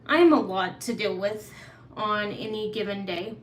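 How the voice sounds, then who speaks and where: A woman's voice: medium pitch, moderate pace, a little hiss or hum. A woman from Oklahoma hosting a casual live Q&A, chatty and open as she answers viewers' questions. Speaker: livestream host. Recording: echoey room, faint ambience.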